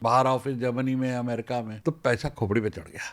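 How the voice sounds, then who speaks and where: Very clean recording with a silent background, a man of medium pitch at a moderate pace. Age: 60s. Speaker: business coach. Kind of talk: podcast interview. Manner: animated.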